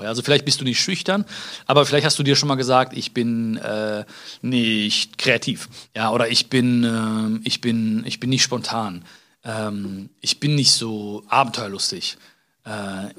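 A man's voice: medium pitch, fairly bright tone. Chatty man hosting a self-help podcast. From Germany. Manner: chatty, addresses listener directly with frequent tag questions; hesitant restarts and filler sounds. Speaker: podcast host.

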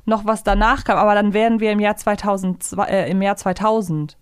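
A woman's voice: medium pitch, steady tone, fairly quick, smooth, dry recording, clean studio sound. A woman co-hosting a conversational review podcast in standard speech, talking in a considered, articulate way. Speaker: podcast co-host.

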